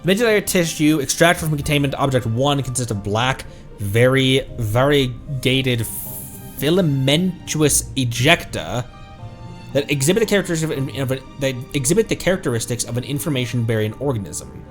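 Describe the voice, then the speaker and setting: A man's voice: mid-range voice, normal speed. Male streamer reading game text over music. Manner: stumbles over words, repeats and self-corrects. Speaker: livestream host, VTuber. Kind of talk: reading game text aloud with casual reactions.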